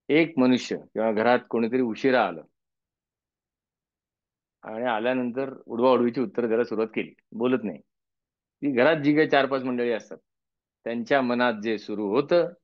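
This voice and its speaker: A man teaching Sanskrit chanting, explaining verses conversationally with homely examples and reciting slowly. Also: medium pitch, dry recording, dull audio. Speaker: teacher of Vishnu Sahasranama chanting. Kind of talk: spiritual lesson with chanted verses.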